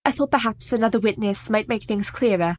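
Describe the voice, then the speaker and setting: An actress in a radio play playing a devoted, capable young wife who speaks in a polite, earnest and formal way. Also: female voice, medium pitch, fairly quick, close to an everyday voice.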